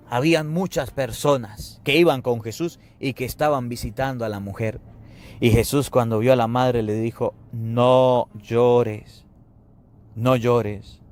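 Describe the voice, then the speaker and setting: A Catholic priest preaching a sermon with impassioned, repetitive emotional appeals to parents. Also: male voice, medium pitch.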